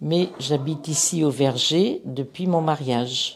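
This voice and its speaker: Very slow speech from a woman, pitch varying in an ordinary way. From western France, near Nantes. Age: 80s+. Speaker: retired farmer. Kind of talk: interview testimony. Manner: halting.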